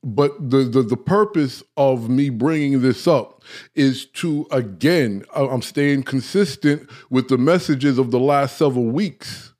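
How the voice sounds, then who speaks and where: A man hosts an informal talk and speaks directly to his viewers. His voice is dark and mellow, sitting in an ordinary middle pitch. He keeps checking in with the audience as he goes, and he sometimes trips over his words when he gets worked up. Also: a little slow. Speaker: host. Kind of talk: casual talk, live-stream lecture.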